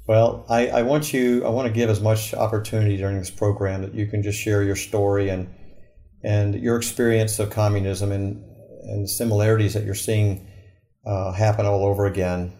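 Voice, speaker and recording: Christian radio host, male, low and mellow, halting delivery with frequent fillers. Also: level tone. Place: radio studio.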